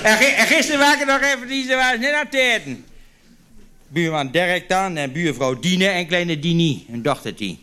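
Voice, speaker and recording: A man's voice: sits high, expressive, normal speed, bright, forceful tone. A man doing stand-up comedy. He tells long joke stories in a chatty way, trips over repeated little words at the start, and slips into voices for the people in the stories. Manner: switches into character voices for quoted dialogue.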